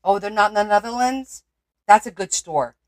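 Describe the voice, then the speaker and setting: Medium in pitch and moderate in pace, a Portuguese woman's voice carries a casual crafting livestream. She thinks aloud over her work and responds to comments from viewers.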